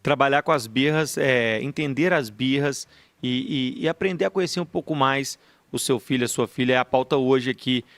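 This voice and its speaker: A man's voice: medium pitch, normal speed, a bit bright, no room sound. A man hosts a radio talk show, summing up his guest's advice and steering her on to the next point. His voice sits in an ordinary range and sounds dry and close to the mic. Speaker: radio host.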